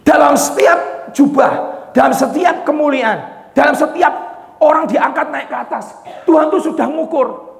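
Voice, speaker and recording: A male pastor preaching a sermon dramatically, acting out quoted voices and shouting for emphasis. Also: very high voice, normal speed, creaky. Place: church hall. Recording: echoey, reverberant hall.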